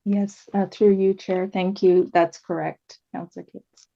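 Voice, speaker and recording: A woman on city staff answering questions at a committee meeting in a formal, measured way, addressing the chair. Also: medium pitch, little pitch movement, gravelly, highs cut off. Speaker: city traffic staff member.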